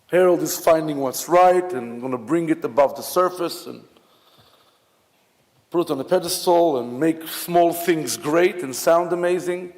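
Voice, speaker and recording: A man from Israel with an Israeli accent, giving a memorial eulogy in a halting, reflective way with many fillers and restarts. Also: fairly high pitch, darkish tone. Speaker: officiant at a memorial service. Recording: long hall reverb.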